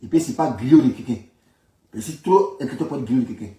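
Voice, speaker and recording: This speaker has a mellow, mid-range voice and talks a little fast. He is from Ivory Coast with an Ivorian French accent, offering informal political commentary, insisting on points and emphatically repeating phrases, recorded distantly in an echoey space.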